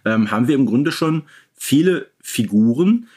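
A man's voice: medium pitch, lively intonation, unhurried, mellow, husky. A man co-hosting a podcast, explaining details in a conversational, informed way. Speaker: podcast co-host. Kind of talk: casual, informed commentary on audio play series.

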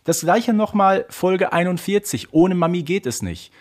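A man's voice: sits high, expressive, normal speed, a little mellow. A man co-hosting a podcast, talking casually and emphatically in a mock-exasperated rant. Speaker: podcast co-host. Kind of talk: casual discussion of an audio drama series.

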